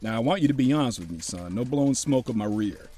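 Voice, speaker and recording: A man's voice: mid-range voice, animated, fast talker, dark tone, close to an everyday voice. A man playing a genial older American army officer in an audio drama, probing and commanding in a folksy, paternal way.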